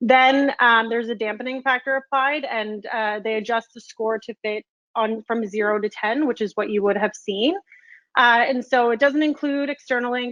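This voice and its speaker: The sound is dry and close with no echo as a woman speaks at a fairly high pitch with fairly even intonation. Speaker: software company representative. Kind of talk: product explanation. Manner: fast.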